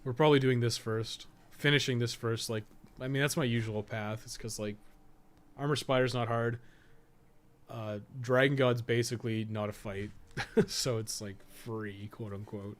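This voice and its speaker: At a moderate pace and with fairly even intonation, a medium-pitched man offers relaxed commentary on a game. He's a podcast co-host who also writes game guides, and he thinks out loud, questions himself, and trails off into side remarks.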